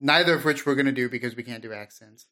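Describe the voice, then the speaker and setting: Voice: mid-range voice, fast talker, bright, forceful tone. A podcast co-host chatting casually in a blunt, opinionated way. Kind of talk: casual chat.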